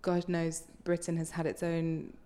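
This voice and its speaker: A woman's voice: fairly low pitch, completely flat delivery, a little slow, warm tone, clean tone. A woman hosting an interview show, asking long, thoughtful questions. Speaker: podcast host.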